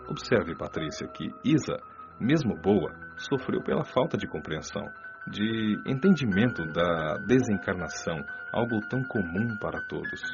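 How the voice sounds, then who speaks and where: Low-voiced solemn spirit mentor, played by a man, over music. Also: animated. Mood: solemn, instructive. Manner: measured, didactic, solemn. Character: male spirit mentor, patient, earnest, gently admonishing. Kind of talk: radio drama dialogue in a spiritist audiobook. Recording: dull, muffled audio under clear music.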